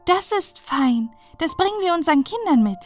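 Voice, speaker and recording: A woman's voice: very high-pitched, sing-song, moderate pace, soft background music, pitched above the performer's own voice. A woman voicing polite, delighted, busy lady bees in a fairy tale, eager and courteous. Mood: pleased.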